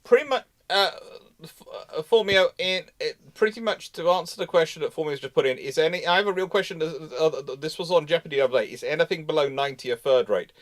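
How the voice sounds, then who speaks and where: A man's voice: fairly high pitch, quick pace. A man hosting a live question session, explaining casually and emphatically, often restarting his phrases. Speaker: host answering live audience questions. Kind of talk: casual expert discussion, explanatory.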